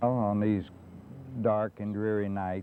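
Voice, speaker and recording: Speaking at a moderate pace, the man's voice has a dark, mellow tone. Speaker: nursery owner. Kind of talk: interview answer.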